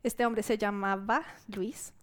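Smooth-voiced woman preaching a testimony. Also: medium pitch, slow. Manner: lively storytelling, acting out what people said. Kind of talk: sermon testimony to a church. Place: church.

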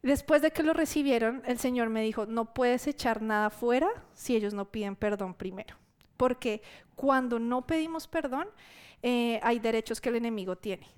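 A woman preacher giving a sermon testimony to her church, telling the story in a lively way and acting out what people said. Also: a little high, normal speed, smooth.

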